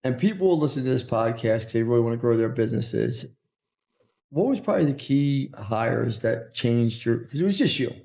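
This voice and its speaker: A man's voice: medium pitch, expressive, moderate pace, vocal fry, a little mellow. A man with an accent hosting a podcast interview, blunt, brash and teasing. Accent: non-native English. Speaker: podcast host. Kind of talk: casual interview.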